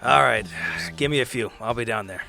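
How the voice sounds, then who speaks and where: A man playing a gruff, casual, cocky occult boss who talks in blunt, offhand slang. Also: medium pitch, a little fast, over music. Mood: weary.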